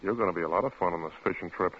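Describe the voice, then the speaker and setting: An actor playing a put-upon, jobless husband in an old radio drama, weary, defensive and dry. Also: male voice, deep voice, racing, close to an everyday voice. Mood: tired, sardonic. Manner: curt, dry retorts. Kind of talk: 1940s-50s radio drama acting. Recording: muffled, noisy old phone-like radio recording.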